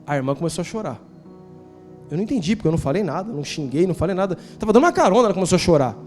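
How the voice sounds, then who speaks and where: A man's voice: high-pitched, very animated, racing, a little mellow, faint music behind. A man in his forties with a Brazilian Portuguese accent, preaching a sermon in a conversational, storytelling way, tossing in rhetorical questions and slangy asides. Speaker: pastor. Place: church.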